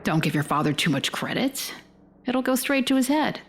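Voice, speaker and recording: A woman's voice: on the high side, big pitch swings, normal speed. An actress playing a middle-aged wife and mother in an audio drama, wry, playful and affectionately teasing.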